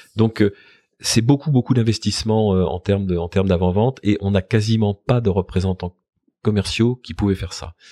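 Dark, mellow tone from a man at a fairly low pitch and moderate pace, with fairly even intonation, on a very clean recording with a silent background. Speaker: retired sales executive. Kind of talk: interview. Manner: halting.

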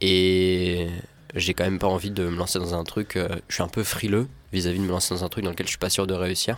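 At a fairly quick pace, a man with a very deep, low pitch talks in a monotone, flat way on a very clean recording with a silent background. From France. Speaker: student and guitarist. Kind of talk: casual chat.

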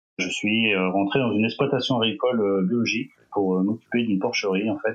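Man with a fairly low pitch, fairly even intonation and a moderate pace. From Normandy, France (Calvados, near Bayeux). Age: 40s. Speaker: dairy farmer. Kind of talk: interview testimony. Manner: hesitant, casual with fillers.

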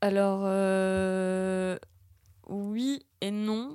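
A woman with a medium-pitched voice, captured in a very clean recording with a silent background. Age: 20s. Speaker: makeup artist trainee, podcast guest. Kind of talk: casual chat. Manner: halting.

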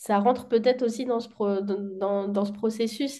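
A woman with a fairly high pitch and a dark, mellow tone speaks with fairly even intonation. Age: 30s. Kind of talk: casual chat. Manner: halting.

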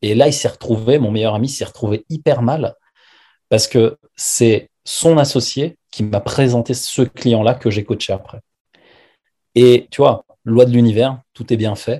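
A man's medium-pitched voice, dark and mellow in tone, with fairly even intonation, a fairly slow pace and a quiet background. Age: 40s. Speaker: life coach and speaker. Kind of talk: casual interview.

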